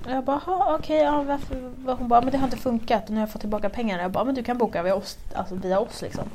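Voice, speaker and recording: A woman's voice: on the high side, fairly even intonation. A young woman from Sweden in casual chat, telling a story animatedly, swearing and acting out quoted lines. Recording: faint background noise.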